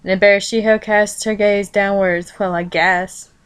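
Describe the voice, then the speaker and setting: Woman reading fanfic out loud, super casual, medium pitch voice, jokes and swears between lines, no filter. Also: flat delivery, slow pace, smooth. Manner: informal, unfiltered, swearing, jokey asides. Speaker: fan fiction reader and commentator. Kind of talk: casual read-aloud with running commentary.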